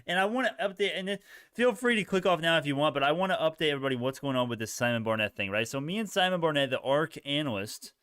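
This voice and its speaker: Young male streamer, quick pace, clean close dry sound, informal bro slang, off-the-cuff market commentary. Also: on the high side, expressive, a bit bright, smooth, dry recording. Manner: informal bro slang, thinks aloud, repeats himself. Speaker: livestream host, retail stock trader. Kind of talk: casual live stock-chart commentary, reacting to chat.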